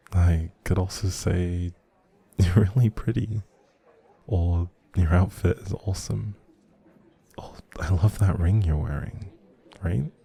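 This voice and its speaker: A man playing a socially anxious, kind stranger in an intimate audio roleplay, rambling hesitantly and doubting himself in a soft, breathy voice. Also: sits low, exaggerated voice. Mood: shy, playful.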